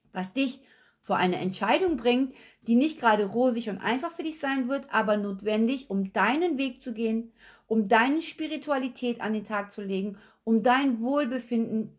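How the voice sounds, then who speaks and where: A woman, slightly hoarse, giving a chatty tarot reading at a table and often checking in with viewers. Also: a little high. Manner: chatty, repeats okay? and addresses viewers directly. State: slightly hoarse, recovering from illness. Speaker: tarot reader. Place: at a table with cards and a candle, indoors.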